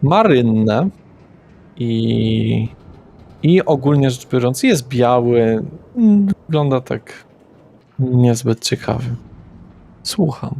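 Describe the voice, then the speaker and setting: As game master of a tabletop game, a man narrates in an ordinary middle pitch that is expressive and mellow, with vocal fry. His descriptions of places are loose, with pauses on fillers and corrections along the way.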